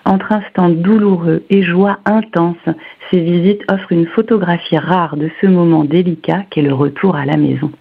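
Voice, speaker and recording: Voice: medium pitch, moderate pace, gravelly, breathy edge. Caller reading over a tinny phone line. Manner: steady, read-out. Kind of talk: reading an announcement.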